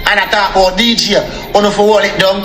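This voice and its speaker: A man's voice: high-pitched, flat delivery, fast talker, a bit bright, roomy sound. Young Jamaican man ranting on a livestream. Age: young adult. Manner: repetitive, addresses viewers as people. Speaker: live streamer. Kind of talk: angry live-stream rant.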